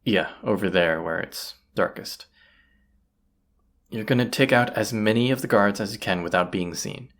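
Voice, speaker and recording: A performer voicing a folksy, plain-spoken bandit leader in an audio roleplay, with a gravelly, husky voice and a conversational, wry manner. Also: low voice, moderate pace. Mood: commanding, focused. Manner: folksy, conversational, hushed at times. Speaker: character voice actor. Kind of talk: immersive audio roleplay acting, addressing the listener.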